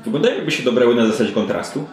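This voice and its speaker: Improvising vivid, conversational narration, a man acts as game master for a tabletop role-playing session. He talks very fast, his mid-range voice animated. The indoor recording is roomy and echoey, with faint background music.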